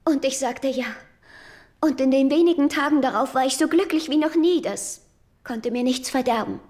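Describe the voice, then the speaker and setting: A syrupy widow from a dubbed sitcom, played by a woman, with a very high voice. She speaks with sweet composure, unhinged and possessive underneath. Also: normal speed, darkish tone, lightly acted. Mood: syrupy, fond. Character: unhinged, syrupy jealous widow giving a eulogy. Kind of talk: dubbed sitcom dialogue, eulogy speech.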